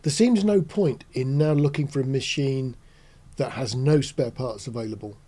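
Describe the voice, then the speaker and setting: A man in his sixties hosting a casual explanatory talk in a measured, reflective, matter-of-fact way. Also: mid-range voice, dark tone. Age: 60s. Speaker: host. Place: small indoor studio.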